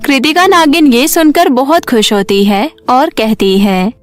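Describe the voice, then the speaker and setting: A woman narrates a scripted story for children. Her voice sits high. Light music plays behind the narration. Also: a little slow. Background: background music.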